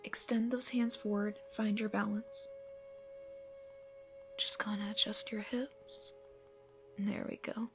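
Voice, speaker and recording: Actress as calm, encouraging female yoga teacher for ASMR roleplay; soft, near-whispered guidance, medium pitch, light music underneath. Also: takes it slowly, long pauses. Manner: soothing, breathy instructions, often softening toward a whisper. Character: gentle, encouraging female yoga instructor leading a morning class. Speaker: yoga instructor.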